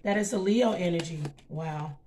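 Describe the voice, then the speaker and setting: A woman with a scratchy voice giving a casual tarot reading, chatty and filling pauses with um and okay. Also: lowish voice. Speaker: tarot reader.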